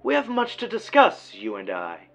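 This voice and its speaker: An actor playing a deranged, gloating villain in an audio drama, mockingly polite and theatrical, savoring florid phrases. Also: male voice, sits high, wildly swooping pitch, moderate pace, a bit bright, faint music behind, heavily acted. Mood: sly, gloating. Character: gloating, theatrical, deranged male villain taunting an old rival.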